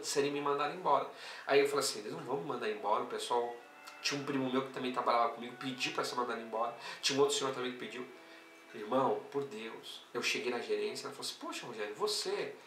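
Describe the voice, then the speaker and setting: Brief: male Brazilian apostle-teacher, sermon delivery, bright voice, echoey room. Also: mid-range voice, fast talker. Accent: Brazilian Portuguese. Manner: animated, swings between loud exclamations and quiet storytelling. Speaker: apostle teaching a theology class. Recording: echoey room, voice somewhat far from the mic, faint music.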